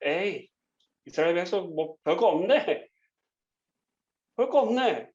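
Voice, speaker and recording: Jeering scornful townsmen, a man doing them, higher voice, dull lo-fi sound. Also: expressive, measured pace, darkish tone. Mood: mocking. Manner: mocking, dismissive.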